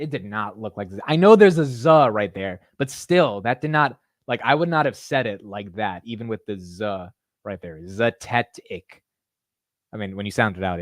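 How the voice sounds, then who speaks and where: A young man running a casual livestream banters and argues playfully with viewers, animated and self-deprecating. He speaks in a mid-range pitch. The recording is dry and close-miked, with no room sound.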